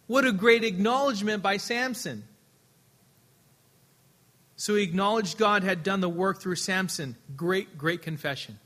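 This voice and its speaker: A man preaching a sermon earnestly, his voice swelling louder and then dropping soft, often repeating words as he restarts. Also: high voice. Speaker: pastor.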